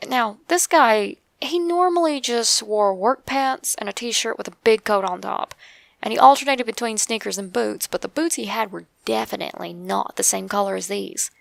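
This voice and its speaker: A woman with an Appalachian accent narrates a first-person scary story in a creaky voice, measured and with dramatic pauses. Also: a little high, dry recording. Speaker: narrator of true scary stories.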